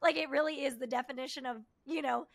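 A bubbly woman hosts an interview podcast, her voice sitting high. She talks with eager enthusiasm, peppered with "you know" fillers. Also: steady tone, quick pace, gravelly. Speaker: podcast host.

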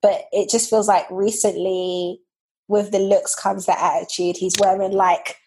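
A woman's voice: mid-range voice, little pitch movement, measured pace, a little mellow, a little hiss or hum, poor audio. A woman co-hosting a podcast, chatting casually with friends, full of fillers and restarts. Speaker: podcast co-host. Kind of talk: casual chat.

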